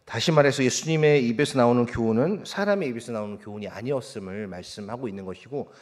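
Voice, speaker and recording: Preaching to his congregation, a man serving as pastor poses questions to them and reads scripture loudly, his medium-pitched voice slowing and fading softly at the close of each phrase.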